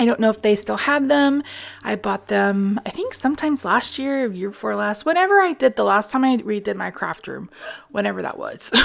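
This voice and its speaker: Fairly quick talking, with noticeable background noise behind it. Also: woman. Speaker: card making crafter. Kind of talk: tutorial. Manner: casual, chatty.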